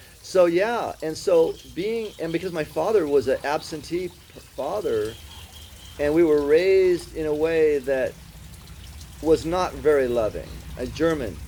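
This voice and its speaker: An American-accented man speaks at a fairly slow pace with long, frequent pauses and noticeable background noise. His fairly high pitch shows ordinary variation. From California, US. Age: 60s. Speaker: interviewee, retired traveler. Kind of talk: casual interview conversation.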